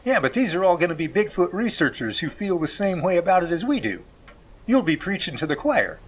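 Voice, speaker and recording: Male actor as supportive researcher, animated high voice, easygoing, audio drama. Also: a little fast, husky, exaggerated voice. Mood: reassuring.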